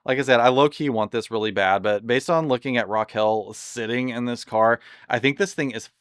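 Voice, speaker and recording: A man chatting casually and enthusiastically in a product review, rambling with lots of fillers, his voice slightly hoarse from overuse. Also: medium pitch, a little fast, no room sound, clean studio sound. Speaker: doll collector reviewing products.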